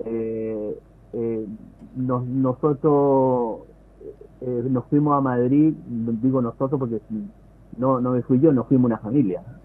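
Long, frequent pauses mark a man's very slow speech in a Chilean accent. His pitch is medium, and his intonation fairly even. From Chile, Santiago. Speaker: forestry researcher. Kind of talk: interview. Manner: halting, many repetitions.

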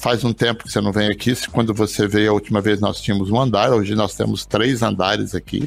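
A man's fairly low voice with vocal fry, at a fairly quick pace with hardly any pauses, very even loudness and monotone, flat intonation. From rural Brazil. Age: 60s. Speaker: company founder and president. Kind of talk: interview. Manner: halting.

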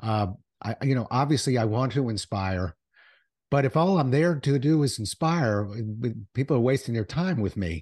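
Over a quiet background, a man talks at a moderate pace with a medium pitch, lively intonation and a plain, everyday voice. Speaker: podcast host. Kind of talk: interview conversation. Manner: warm, conversational.

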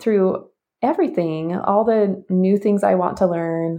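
A woman's dark, mellow voice at medium pitch, with ordinary pitch variation and a fairly slow pace. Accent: American. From Idaho, Boise area. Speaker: podcast guest, co-host of a word podcast. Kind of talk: interview, personal testimony.

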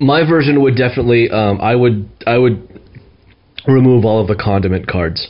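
A plain, everyday voice with an American accent speaks at a moderate pace, with ordinary pitch variation and very even loudness. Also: man, medium pitch for a man. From New York. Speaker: podcast host. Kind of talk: casual chat.

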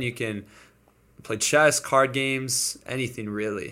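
In an American accent, a plain, everyday voice speaks with fairly even intonation on a very clean recording with a silent background. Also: man. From Detroit, Michigan. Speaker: college student. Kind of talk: interview.

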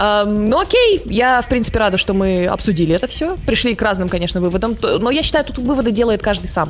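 Amid noticeable background noise, a woman speaks very fast at a fairly high pitch with lively intonation and hardly any pauses. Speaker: podcast co-host. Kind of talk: casual chat.

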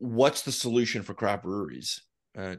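Over a quiet background, a man uses a normal speaking voice, talking at a moderate pace with ordinary pitch variation. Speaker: podcast host. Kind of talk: casual interview chat.

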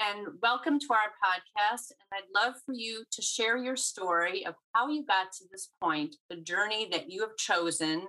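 A bright, sharp American accent at a fairly slow pace, with very wide pitch swings. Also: woman. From Chicago area. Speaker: co-host, photo organizer. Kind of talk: casual interview chat.

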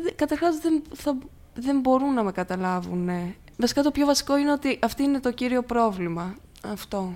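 Lively intonation carries speech delivered at a moderate speed. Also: woman, high pitch for a woman. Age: 20s. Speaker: survivor of domestic violence, hospitality worker. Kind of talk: testimony. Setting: studio.

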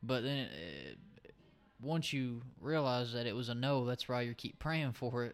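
A man with a Southern US accent talks at a moderate pace with fairly even intonation and long, frequent pauses. Music plays in the background. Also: medium pitch for a man. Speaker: podcast co-host. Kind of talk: religious discussion.

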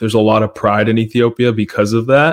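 Flat, monotone delivery in a West Coast accent, over a quiet background. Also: man. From Portland, Oregon. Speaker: comedian. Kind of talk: casual chat.

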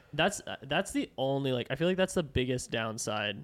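This man's pitch sits fairly high, with a touch of vocal fry. His intonation is lively. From Georgia, US South. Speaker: podcast co-host. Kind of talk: casual chat.

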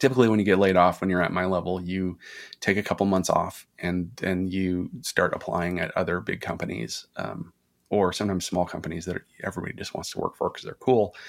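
This man speaks at a very fast pace in a very deep, low pitch. His pitch varies in an ordinary way. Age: 50s. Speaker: author and illustrator. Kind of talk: casual interview chat with a passage read aloud.

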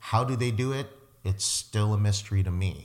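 This man's pitch is fairly low. There is a somewhat breathy quality to his voice. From Montreal, Quebec. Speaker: singer and music producer. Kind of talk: interview.

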